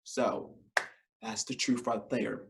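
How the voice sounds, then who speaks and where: A young man hosts an education podcast in a scratchy, deep, hoarse voice. He talks casually and directly to parents and students, repeating his key points and calling them y'all. He records on a webcam in his living room at home. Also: little pitch movement, slow pace. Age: young adult. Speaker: podcast host.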